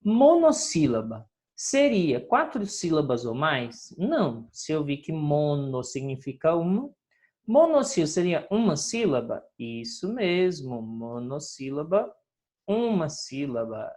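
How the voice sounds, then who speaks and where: Teacher lady, low voice that swings up and down a lot, slow and patient, keeps asking ok?. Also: sing-song, mellow. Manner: patient, drawn-out, sing-song teacher talk with frequent checks like "ok?". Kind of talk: recorded lesson going over homework.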